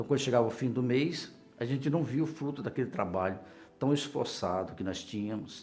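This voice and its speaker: A man talks at a medium pitch with lively intonation and a somewhat breathy quality. Room echo is audible. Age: 60s. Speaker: businessman giving church testimony. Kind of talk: testimony. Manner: halting.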